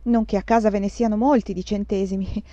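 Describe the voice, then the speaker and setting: A woman's voice: medium pitch, steady tone, fairly quick, mellow, no echo, dull audio, lightly acted. A woman voicing a desperate young fugitive man who talks in an urgent, boastful, raised voice, read as a storybook. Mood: excited.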